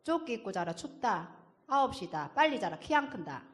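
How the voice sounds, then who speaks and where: A woman's voice: a little high, sing-song, noisy background. A woman voicing a nagging father who scolds his young son nonstop in Gyeongsang dialect. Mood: scolding. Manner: rapid scolding, nonstop orders.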